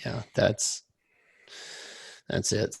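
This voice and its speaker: A man co-hosting a podcast with a slightly hoarse, crackly voice, chatting casually in a self-deprecating, slightly awkward way. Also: very slow. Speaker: podcast co-host.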